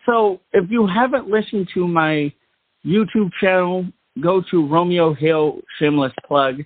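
A man's voice: high voice, a little slow, dry recording, narrow, tinny audio. A man hosting a talk show, giving casual radio-style commentary.

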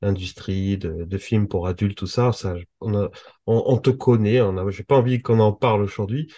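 Male podcast host, lowish mellow voice, friendly and halting, dry close sound. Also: fairly even intonation, no room sound. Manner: friendly, halting, many fillers. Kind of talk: podcast interview.

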